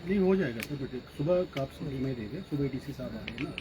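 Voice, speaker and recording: A man's voice: medium pitch, expressive, fast, rough recording. A man who is a government official, answering a politician's complaints in a deferential, reassuring and polite way. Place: outdoors at a college protest site. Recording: field recording with loud traffic noise.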